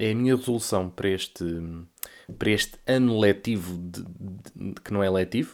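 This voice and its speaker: Here a man speaks with a European Portuguese accent. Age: 20s. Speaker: podcaster. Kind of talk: casual monologue.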